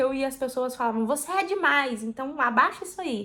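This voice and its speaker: A woman speaks loudly in a high voice. Her pace is moderate. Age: 20s. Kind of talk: casual chat, personal testimony. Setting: at home on sofa under blankets. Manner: loud, expressive.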